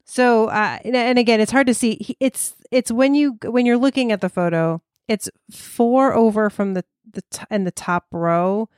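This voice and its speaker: A woman co-hosting a casual podcast, chatty and quick to laugh, reading passages aloud. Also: fairly high pitch, a little mellow, clear, resonant tone, dry recording, studio quality. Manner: chatty, laughs easily, reads quotes aloud. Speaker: podcast co-host. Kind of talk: casual chat.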